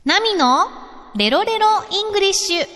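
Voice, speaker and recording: A woman from Georgia in the US hosts a radio English corner in a high, light voice. She explains phrases gently and patiently, like a teacher, and faint music plays softly behind her. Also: expressive. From Georgia, United States. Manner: gentle, teacherly, reads announcements slowly. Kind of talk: casual radio chat.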